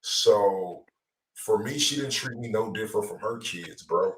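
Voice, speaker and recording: A man's voice: on the low side, expressive, unhurried, a bit bright, slight background noise. A man, hosting an online show in casual, slang-heavy chat. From Los Angeles area. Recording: roomy echo, far from mic.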